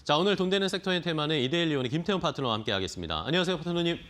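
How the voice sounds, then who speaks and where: A man hosting a stock market talk show, leading the segment in an upbeat, lively way and turning questions to his guest. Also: on the high side, rapid-fire. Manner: lively, upbeat, starts lines with "자".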